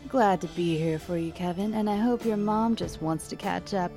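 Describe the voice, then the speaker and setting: A woman's voice: lowish voice, normal speed, mellow, faint music behind, natural voice. A woman playing an easygoing, reassuring late-night radio DJ with folksy patter. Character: calm woman radio DJ on the air.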